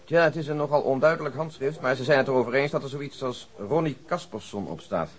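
A man's voice: medium pitch, quick pace, lightly acted. A man playing a businesslike police detective in a radio play, briefing in an orderly, factual way and keeping to the point. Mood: dry, factual. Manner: matter-of-fact, orderly briefing.

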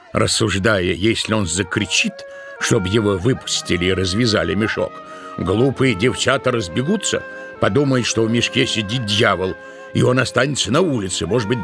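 A man narrating a literary tale in an audio drama with expressive, dramatic storytelling. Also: fairly low pitch, moderate pace, creaky, over music.

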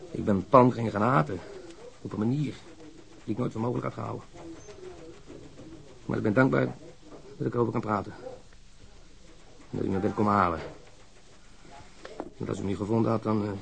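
A man acting a weary, bitter confessed killer in a radio drama, halting and resigned, with a gravelly voice. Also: fairly low pitch. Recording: noisy radio drama recording.

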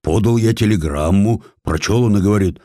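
A man's voice: lowish voice, fairly quick, warm tone, no room sound, studio quality, lightly acted. A man voicing an old village coachman who tells a tale in homely, wondering, rustic phrases for an audiobook. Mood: folksy wonder. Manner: colloquial rustic storytelling in short homely phrases. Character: old village coachman, folksy, wondering, plain-spoken male storyteller.

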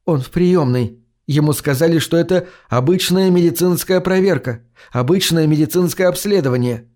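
A man's voice: normal speed, a little mellow, natural voice. A man reading an audiobook, voicing a frightened, near-hysterical woman in a raised, breathless voice. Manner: breathless, pleading, raised pitch.

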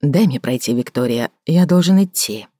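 A woman narrator voicing a calm, restrained man who speaks quietly and in a measured way. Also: low voice, dry recording, studio quality. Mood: restrained, soft. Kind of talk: audiobook character voicing.

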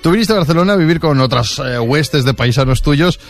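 A male radio host plays the straight man with mock-serious exasperation. His slightly high voice swings up and down a lot, with faint music underneath. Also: animated, a little fast. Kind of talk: radio comedy sketch.

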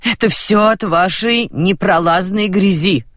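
A man's voice: high voice, a little slow, fairly bright tone, dry recording, studio quality, pitched above the performer's own voice. A man voicing a fussy, prim city grandmother who scolds shrilly and indignantly.

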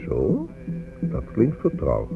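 A man's voice: medium pitch, huge pitch swings, slow, full character voice. An actor playing a stern, probing old Native American grandfather in a Dutch radio drama. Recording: phone-like old radio play, music clearly behind.

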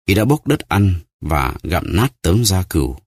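A man narrating a novel as an audiobook in a steady storytelling manner. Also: deep voice, measured pace, slightly rough, no echo, clean studio sound. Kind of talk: scripted narration.

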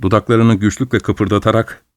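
Smooth-voiced male audiobook narrator. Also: lowish voice, normal speed, no room sound. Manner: steady dramatic narration. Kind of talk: audiobook reading.

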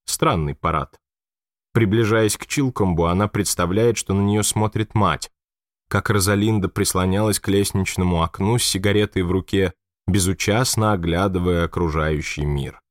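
A man calmly narrating an audiobook in an even, steady reading. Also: low-pitched, normal speed, dry recording. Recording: dry close studio recording.

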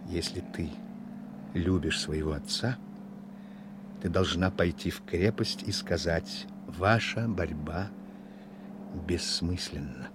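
An actor playing a smug, cunning German army officer in a radio drama, mock-friendly and condescending, used to giving orders. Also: male voice, low voice, slow, pauses often. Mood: cold, persuasive. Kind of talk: Soviet radio drama acting. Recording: noisy old radio drama recording.

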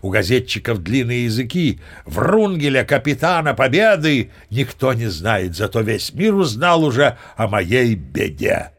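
A man's voice: medium pitch, sing-song, unhurried, hardly any pauses. An actor playing a boastful old sea captain who tells tall tales expressively in an audio play, savoring his words. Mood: flustered, dismayed. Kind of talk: theatrical storytelling in an audio play.

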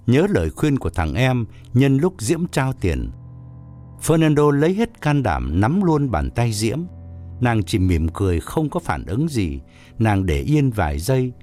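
Lively male audiobook storyteller. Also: mid-range voice. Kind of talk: audiobook narration.

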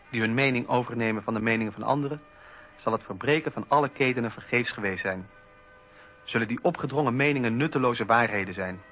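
An actor playing a principled French Enlightenment philosopher, reciting political writings in an earnest, rhetorical manner with a husky voice. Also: male voice, medium pitch, slight background noise, lightly acted. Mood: earnest, grave. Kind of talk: dramatised reading of political writings. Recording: dull, muffled radio recording.

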